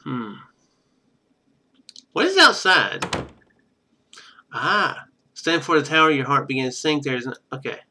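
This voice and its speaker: Male let's-play streamer, bright forceful tone, slightly high pitch, reads game text and comments casually. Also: lively intonation, a little slow, long pauses. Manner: thinks aloud while playing.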